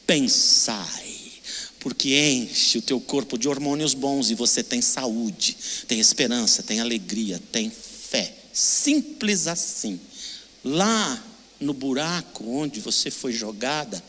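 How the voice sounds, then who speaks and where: A man's voice: mid-range voice, sharp tone, long reverb tail. An older man preaching a sermon with a Brazilian Portuguese accent, emotional and emphatic, repeating short phrases. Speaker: pastor.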